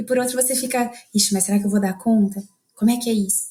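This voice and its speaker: A woman's dark, mellow, somewhat breathy voice sits fairly high and moves at a fairly quick pace. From Brazil, Marília (São Paulo state interior). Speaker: lawyer. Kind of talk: podcast interview. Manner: fast; energetic.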